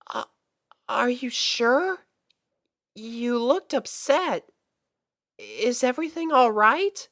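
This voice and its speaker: Woman voicing a soft, timid, gentle Pegasus pony. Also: a little high, sing-song, slow pace, long pauses, no echo, clean studio sound, pitched above the performer's own voice, heavily acted. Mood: concerned. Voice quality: soft, quiet. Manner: shy, hesitant, concerned.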